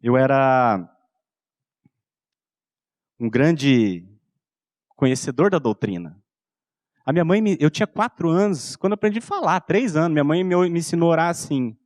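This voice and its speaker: A man's voice: fairly high pitch, animated, moderate pace, pauses often, no room sound, clean studio sound. Brazilian man telling a sermon story. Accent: Brazilian Portuguese. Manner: storytelling, acts out quiet dialogue with his son. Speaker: pastor.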